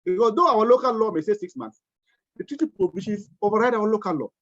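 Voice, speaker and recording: A man's voice: high-pitched, lively intonation, quick pace, no room sound. A man giving a webinar lecture, emphatic and often repeating or restarting his words. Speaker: webinar presenter on tax treaties. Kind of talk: lecture-style webinar talk. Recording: dull, lo-fi webinar audio.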